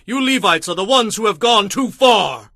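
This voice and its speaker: A man's voice: high voice, expressive, normal speed, pushed and bright, no room sound, clean studio sound, full character voice. A man playing a stern, indignant Hebrew prophet and leader in a dramatized scripture, speaking in an emphatic, commanding, declamatory way.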